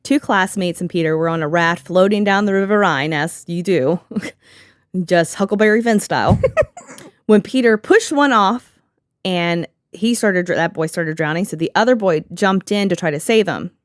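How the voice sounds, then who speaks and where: A woman hosting a casual podcast chat, sarcastic and quick to laugh, swearing freely as she tells the story. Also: lowish voice, no room sound, studio quality. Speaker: podcast host.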